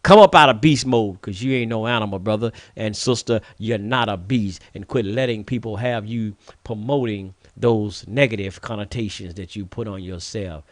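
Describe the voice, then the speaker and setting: A man's voice: on the low side, moderate pace, hardly any pauses, no echo. A man from the United States with an African American Vernacular English accent, hosting a radio show and delivering an impassioned, scolding monologue. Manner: preachy, scolding, repetitive emphasis.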